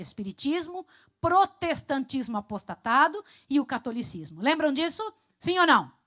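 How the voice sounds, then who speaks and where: A woman with a high-pitched voice talks at a moderate pace on a very clean recording with a silent background. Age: 60s. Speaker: preacher. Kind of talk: sermon.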